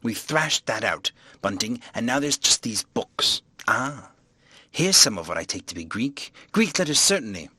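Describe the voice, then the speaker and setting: A man voicing an irritable, earnest gentleman investigator in an audiobook, clipped and easily rattled. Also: mid-range voice, sing-song, moderate pace, slightly rough, dry recording, exaggerated voice. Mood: fretful, insistent.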